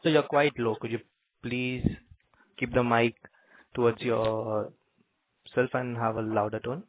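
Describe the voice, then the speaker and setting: A man's voice: medium pitch, flat delivery, a little slow. A man moderating a conference call as operator, speaking in a formal, polite way. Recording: tinny phone line.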